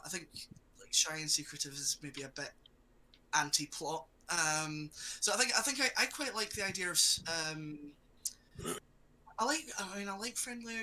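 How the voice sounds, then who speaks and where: Bright, hesitant man thinking aloud. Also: sits high, slight background noise, low-quality recording. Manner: hesitant, thinks aloud with many ums and restarts. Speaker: player. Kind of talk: casual chat, building a character.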